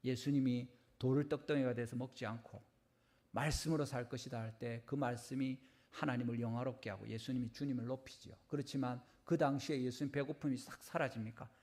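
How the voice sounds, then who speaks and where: A middle-aged pastor delivers an earnest Sunday sermon, often acting out conversations in quoted lines. His voice has a gravelly edge and sits at a middle pitch for a man. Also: steady tone, fairly quick, darkish tone.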